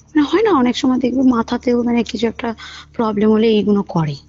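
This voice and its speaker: Female caller, husky voice, casual animated storytelling, dull phone audio with music under it. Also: on the high side, a little fast. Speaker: caller telling a personal ghost experience. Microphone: phone call. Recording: muffled phone call recording, music underneath. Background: background music.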